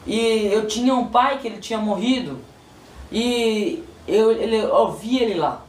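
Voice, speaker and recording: A man's voice: sits high, unhurried. Brazilian man, emotional repetitive testimony, roomy sound heard from a distance. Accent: Brazilian Portuguese. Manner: repetitive, pleading, emotional retelling. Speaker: person giving a religious testimony. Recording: roomy, distant mic, faint noise.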